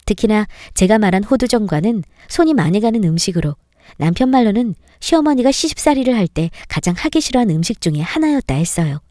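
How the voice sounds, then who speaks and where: A woman's voice: mid-range voice, lively intonation, quick pace, mellow, no room sound, clean studio sound. A woman narrating a scripted first-person story in a wry, vindictive storytelling manner.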